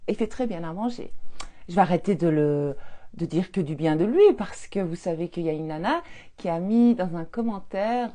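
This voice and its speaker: A woman in her fifties, a holistic coach, chatting casually on a live stream, telling lively stories and laughing often. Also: medium pitch.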